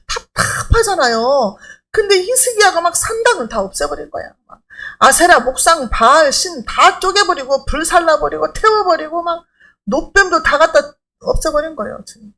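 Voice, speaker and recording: A woman's voice: very high voice, animated, moderate pace, pushed and bright. A middle-aged woman pastor preaching a sermon in an emphatic, conversational way, asking rhetorical questions.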